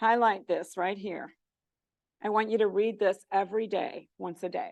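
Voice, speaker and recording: In a normal speaking voice, a woman talks at a moderate pace and medium pitch with fairly even intonation against a quiet background. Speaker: therapy trainer. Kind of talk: training workshop.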